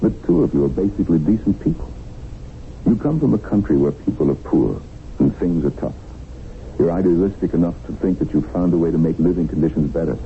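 An actor playing a middle-aged kidnapped tycoon in a radio drama, worldly and defiant, with a sardonic, reflective manner. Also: male voice, sits low, animated, a little fast. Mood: wry, goading. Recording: narrow-band, noisy old radio broadcast.

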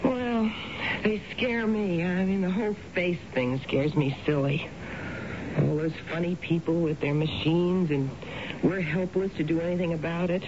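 An actress playing a nervous, stubborn middle-aged wife in a 1970s radio drama, earnest and argumentative. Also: female voice, steady tone, unhurried, natural voice. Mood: anxious. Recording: dull, noisy radio recording with rumble.

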